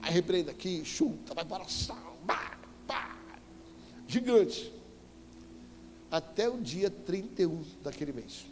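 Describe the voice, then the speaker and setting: A man with a Brazilian Portuguese accent preaching a sermon as an apostle, telling a story with animated emphasis and sudden loud exclamations. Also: high-pitched, measured pace, pauses often, slight background noise. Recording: echoey church hall with faint music.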